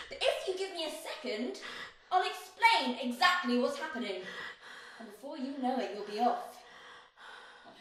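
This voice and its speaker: A young woman acting a mysterious, menacing guide in a horror audio play, hushed, commanding and teasing with threats. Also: fairly high pitch, a little hiss or hum. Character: mysterious menacing female guide in a hellish place. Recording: very echoey binaural recording.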